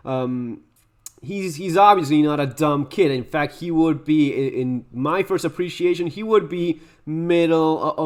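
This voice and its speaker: Hesitant man giving reaction commentary. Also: on the high side. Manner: hesitant, restarts often, opinionated asides. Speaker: YouTube host reacting to a video.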